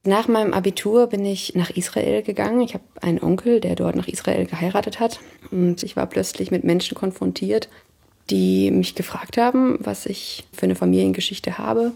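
Thirties woman, interviewee, reflective and searching; heavy vocal fry, mellow tone. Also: medium pitch, fairly even intonation. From Germany. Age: 30s. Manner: thoughtful, searching, pauses with hesitations.

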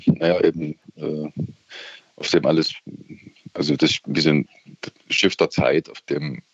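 On a seaside holiday, a middle-aged radio caller with a Saxon German accent joins a casual phone-in chat, stumbling through fillers and restarts. He speaks in a slightly rough bass, unhurried and flat. The audio is muffled but free of echo.

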